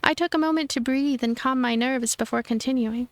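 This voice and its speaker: A woman's voice: high voice, a little fast, a little hiss or hum. A woman streamer reading a visual novel aloud as narration, with casual asides. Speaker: let's play streamer.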